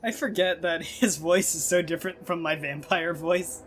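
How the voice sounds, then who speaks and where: A woman's voice: on the low side, steady tone, normal speed. A woman giving casual game commentary as she plays, talking in a slangy, offhand way. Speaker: gamer reacting to a game. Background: game music.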